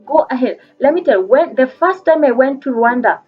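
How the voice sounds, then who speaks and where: Kenyan female life coach, husky, earnest, repeats herself, lo-fi recording. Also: sits high, animated, a little fast, soft background music. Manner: earnest, repeats phrases for emphasis, frequent fillers. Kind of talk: motivational talk.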